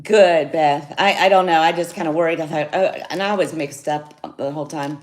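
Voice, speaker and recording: A woman speaking low and at a moderate pace hosts a jewelry sales livestream from her home studio indoors. Her chat is casual, and she welcomes viewers by name.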